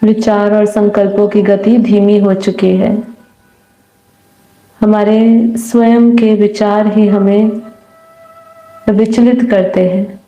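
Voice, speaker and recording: A woman guiding a meditation in a soothing, unhurried manner with long pauses. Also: mid-range voice, flat delivery, warm tone. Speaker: meditation guide. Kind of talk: guided meditation, slow calm instruction. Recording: roomy echo. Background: faint music.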